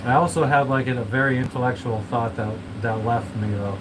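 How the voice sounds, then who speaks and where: A man vlogging in casual chat, rambling and swearing freely in a flat, monotone way. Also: mid-range voice, fairly quick. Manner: rambling, swears a lot, self-described monotone. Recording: noisy room with air conditioning and traffic hum.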